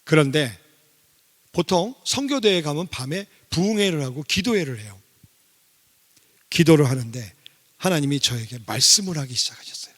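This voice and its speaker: A middle-aged man with a high voice preaches a testimony as a guest revival speaker. His delivery is animated and he keeps asking the congregation questions. The sound carries a long church hall reverb. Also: normal speed, pauses often. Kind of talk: sermon testimony. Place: church sanctuary.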